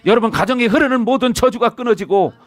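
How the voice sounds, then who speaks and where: A high-pitched man preaches a sermon, repeatedly prompting his congregation for answers and amens. His voice is captured close and dry, with almost no room sound around it. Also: lively intonation, fast talker, no echo. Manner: preaching with call-and-response to the congregation. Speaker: senior pastor. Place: church sanctuary.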